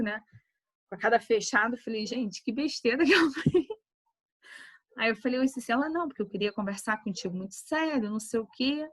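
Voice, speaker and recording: A woman talks casually to her students in an animated storytelling manner. Her voice sits fairly high and the recording is dry and close. She slips into quoted voices as she tells the tale. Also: no echo. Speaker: nursing teacher. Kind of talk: casual class talk, storytelling. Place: online class.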